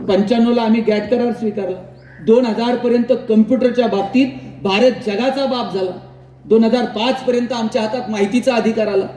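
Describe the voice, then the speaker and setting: A man's voice: extremely high pitch, mellow. A man giving a motivational public speech, telling anecdotes and building up lists to punchlines. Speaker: motivational speaker. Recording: echoey hall recorded from far off, faint ambience.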